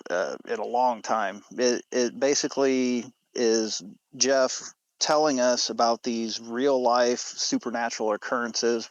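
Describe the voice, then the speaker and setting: A man's voice: medium pitch, dry recording, muffled recording. A man speaking casually as a podcast guest. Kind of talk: casual chat.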